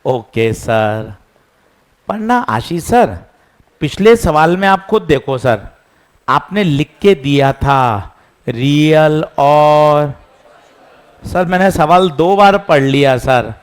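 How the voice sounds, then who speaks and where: A teacher putting on a whiny student. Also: male voice, on the high side, expressive, slow, clean tone. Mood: pleading. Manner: whiny, insistent, keeps saying sir. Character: cheeky, pleading male teenage student.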